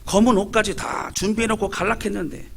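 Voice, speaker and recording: A man voicing old countrywomen gossiping in a put-on Gyeongsang dialect, slow and exclaiming. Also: high voice, animated, vocal fry, husky, full character voice.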